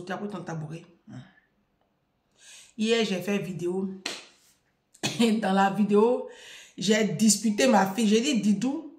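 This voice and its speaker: Brief: woman vlogger, high-pitched, emphatic and mocking, recorded in an echoey room. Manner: mocking, emphatic, laughs often, swings loud and soft. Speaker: social media vlogger. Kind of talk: animated monologue to followers.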